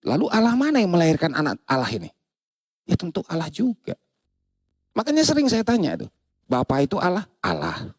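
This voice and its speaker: A man's voice: on the high side, huge pitch swings, fairly quick, pauses often, husky, no room sound. A man in a heated online religious debate, preaching and quoting scripture while talking over others.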